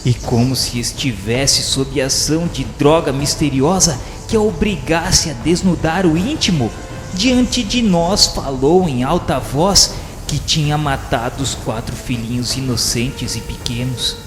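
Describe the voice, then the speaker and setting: Reading a radio novela script, this man speaks at a measured pace in a voice on the high side, giving the literary text a solemn, theatrical treatment. Music is clearly audible beneath him, washed in long, echoing reverb.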